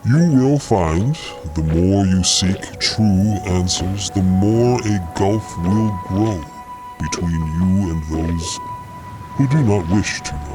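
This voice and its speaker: A man voicing a grave, zealous frog-like alien intellectual in an audio drama, speaking in lofty, measured, persuasive phrases. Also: low voice. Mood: condescending, confiding.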